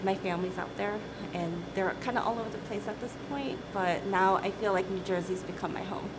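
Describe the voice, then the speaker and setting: A woman's voice: mid-range voice, fairly even intonation, fairly quick. Woman ceo chatting in an interview, laughs a lot, keeps saying right?, noisy room hum. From South Korea. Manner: chatty, laughs easily, says "right?" often. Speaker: company CEO, interview guest. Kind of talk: casual interview talk.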